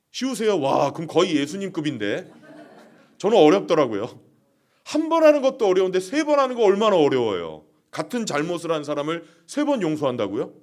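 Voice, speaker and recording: A male pastor preaching a sermon, who keeps asking his congregation questions and plays out short dialogues. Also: fairly high pitch.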